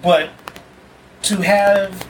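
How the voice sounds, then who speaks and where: Male podcast host, a bit high-voiced, candid and thoughtful; sits back from the mic with audible room noise. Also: steady tone, extremely slow. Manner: candid, reflective, casual swearing. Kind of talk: casual conversation. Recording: distant mic with clear background noise.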